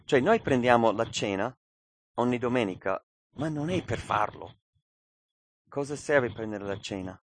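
A man delivers a sermon in a dry, close-sounding recording. His pitch sits in an ordinary middle range. He talks earnestly and with emphasis, stopping to pose rhetorical questions to his listeners. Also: expressive, measured pace, pauses often, no echo. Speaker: preacher.

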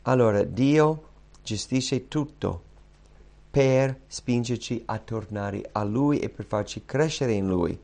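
A man preaching a sermon with impassioned, repeated rhetorical questions that swing from loud high outbursts to hushed low tones. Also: slow, creaky. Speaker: pastor.

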